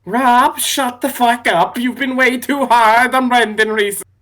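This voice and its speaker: A man's voice: extremely high pitch, a little slow, pushed and bright. A man in casual comic banter as a co-host, reading posts in a sweary, exasperated manner.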